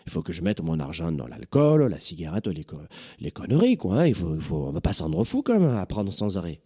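A lazy southern French grumbler, as a man puts him on, waving off work in a sing-song drawl. His husky voice swoops up and down. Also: low-pitched, sing-song, a little fast, dark tone, exaggerated voice. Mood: dismissive.

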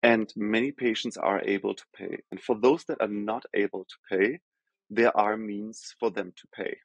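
A man from Germany with a German accent, a company founder explaining things in a measured podcast interview, often pausing with "um". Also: on the low side, fairly even intonation, dry recording, dull audio. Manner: measured, explanatory, frequent "um" and self-corrections.

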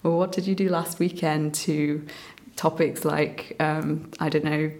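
A woman's voice: deep voice, fairly even intonation, measured pace, a little mellow. A young woman, a medical student guest, chatting eagerly in an interview with lots of fillers. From Burma. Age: young adult. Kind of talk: casual interview chat.

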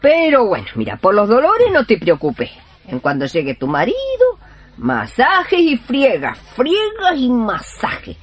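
An actress playing a boastful older Argentine village healer in radio theatre, telling tall tales in colloquial, theatrical, drawn-out phrases. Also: female voice, fairly high pitch, huge pitch swings, exaggerated voice. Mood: sly, reassuring.

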